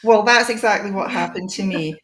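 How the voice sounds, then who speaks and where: A woman's voice: mid-range voice, a little fast, heavy background noise. Scottish woman, middle-aged, hesitant and reflective, roomy echo on a video call. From Scotland. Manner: reflective, hesitant, many ums and restarts. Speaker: guest. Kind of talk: conversational interview.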